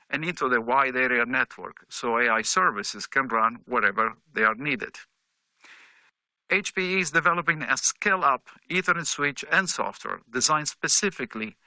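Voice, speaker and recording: A man speaking as a company executive, reading a scripted corporate presentation in a formal, measured way with emphasis on key figures. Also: mid-range voice, bright, forceful tone, no room sound.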